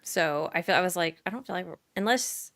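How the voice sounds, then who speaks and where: A woman talking on a podcast in a rambling, self-deprecating way. Her voice is bright and sharp, and her pitch swings widely. She stays animated throughout. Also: fairly quick. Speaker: podcast co-host and streamer. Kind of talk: casual podcast chat.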